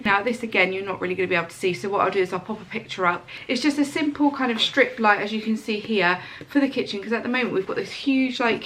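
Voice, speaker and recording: A woman's voice: mid-range voice, a bit bright, a little hiss or hum, rough recording. A woman, congested and stuffy-nosed, chatting in a bubbly, gushing way while sitting on her bedroom floor. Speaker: home and lifestyle vlogger. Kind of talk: casual chatty haul video.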